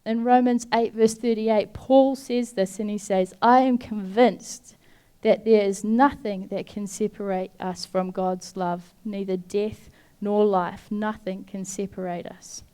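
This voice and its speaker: Warm, smooth-voiced woman giving a heartfelt devotional. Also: medium pitch, fairly even intonation, unhurried. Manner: heartfelt, gently urging, addresses listener directly. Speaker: speaker giving a devotional talk. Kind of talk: earnest devotional talk.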